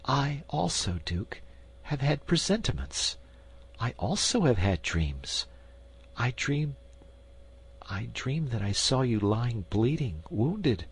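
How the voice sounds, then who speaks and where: A man reading an audiobook, voicing an anguished noble queen in a high, trembling, pleading voice. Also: sing-song, slow, breathy edge, heavily acted. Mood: fearful.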